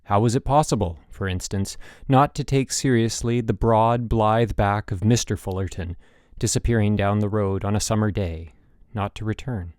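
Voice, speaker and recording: A man's voice: fairly low pitch, moderate pace, darkish tone, no echo. Man reading literary fiction, very dry sound. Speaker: audiobook narrator. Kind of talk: scripted literary narration.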